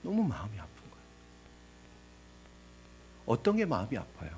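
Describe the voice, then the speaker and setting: This pastor's mid-range, darkish voice swings hugely in pitch at a moderate pace as he preaches. He asks his congregation rhetorical questions and acts out the parable's characters dramatically, with slight noise in the background.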